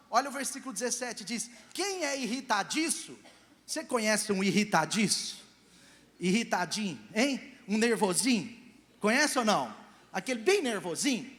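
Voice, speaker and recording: A man preaching a sermon as pastor at a church service, animated and calling on the congregation to answer back. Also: very high voice. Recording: long church hall reverb.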